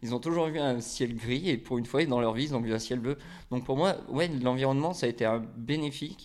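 A fairly quick pace with very even loudness and ordinary pitch variation. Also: man, medium pitch for a man. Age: 30s. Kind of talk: interview. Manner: hesitant, many fillers.

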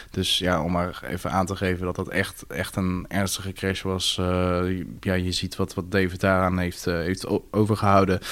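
Monotone, flat delivery at a moderate pace on a very clean recording with a silent background. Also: man, very deep, low pitch for a man. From Netherlands. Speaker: football podcast host. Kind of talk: casual chat.

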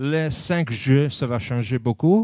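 A man with an Italian accent, medium pitch, ordinary pitch variation and a dark, mellow tone, in a dry, close sound with no echo. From Italy. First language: Italian (speaking French). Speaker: mobile content trainer and producer. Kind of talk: workshop talk. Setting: conference room with audience.

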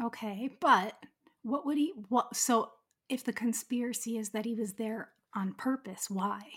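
A woman with a normal speaking voice, fairly high pitch, ordinary pitch variation and a fairly slow pace. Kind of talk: casual chat. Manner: chatty, joking.

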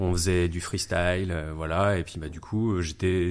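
The recording is very clean, with a silent background. A man speaks with a very deep, low pitch and fairly even intonation. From Savoie, France. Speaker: wedding videographer. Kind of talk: interview. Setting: in person.

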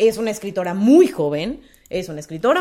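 A woman with a Mexican accent, at a moderate pace. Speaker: podcast co-host. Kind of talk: casual chat.

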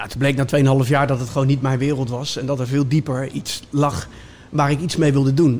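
Somewhat breathy, a man speaks at a fairly high pitch with fairly even intonation. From Netherlands, The Hague. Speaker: zen teacher and former hardcore DJ. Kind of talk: casual interview. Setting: cafe studio.

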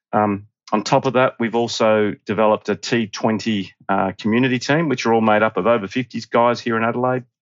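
Speaking at a fairly quick pace with a medium pitch, a man with an Australian accent keeps very even loudness and fairly even intonation. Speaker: veterans cricket organiser. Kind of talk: interview.

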